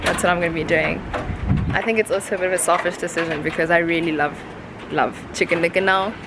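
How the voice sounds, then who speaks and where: A woman's voice: lowish voice, fairly even intonation, quick pace. A young woman hosting a casual vlog, chatty and giggly. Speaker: vlogger host. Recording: noisy handheld vlog audio.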